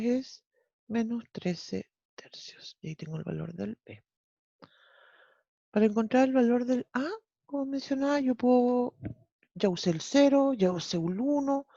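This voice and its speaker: Mellow Chilean math teacher, dull audio. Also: medium pitch, no room sound. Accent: Chilean Spanish. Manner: explains step by step, often checks with "¿cierto?". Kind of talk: online class lecture. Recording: dull lo-fi online class audio.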